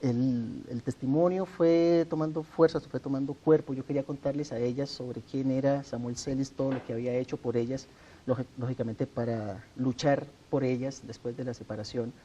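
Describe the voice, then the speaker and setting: A middle-aged man from Colombia with a Colombian accent, answering interview questions in a measured, earnest way. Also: medium pitch, fairly even intonation, warm tone, highs cut off, slight background noise. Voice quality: measured, earnest, formal address. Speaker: interview guest, author. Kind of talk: sit-down TV interview.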